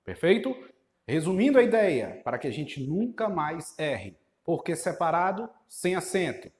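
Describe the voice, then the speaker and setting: A man's voice: on the high side, sing-song, normal speed, a little mellow, echoey room. A man with a Brazilian Portuguese accent teaching a grammar lesson, emphatic and asking rhetorical questions as he reads out example sentences.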